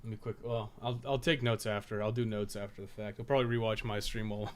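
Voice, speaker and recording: A man's voice: lowish voice, level tone, fast talker. A man chatting informally and rambling through a live gaming stream, with a fair bit of swearing. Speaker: podcast co-host, game streamer.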